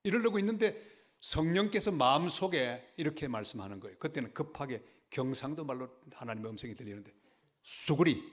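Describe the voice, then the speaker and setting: An older man preaching a sermon, telling a story in an animated way with dramatic swings in pitch and loudness. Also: fast. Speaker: pastor.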